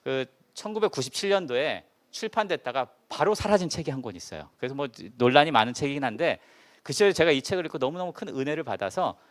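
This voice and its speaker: Male preacher, sermon storytelling, very lively up-and-down pitch, asks the congregation questions. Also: fast. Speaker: pastor. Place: church service.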